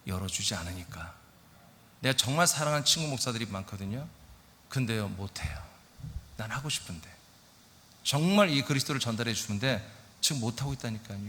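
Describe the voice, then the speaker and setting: A middle-aged male pastor preaching a lively sermon, often asking his congregation questions. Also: medium pitch. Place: church sanctuary. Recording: church hall reverb.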